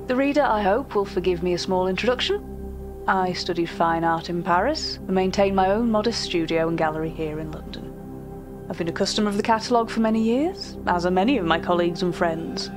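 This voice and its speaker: A woman playing a cultured, earnest art curator, narrating a fiction podcast in a formal, precise and measured manner. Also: on the low side, music in the background, lightly acted. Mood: formal, gracious.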